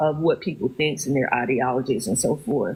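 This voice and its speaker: A woman's somewhat breathy voice. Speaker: caller on political livestream. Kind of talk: call-in discussion.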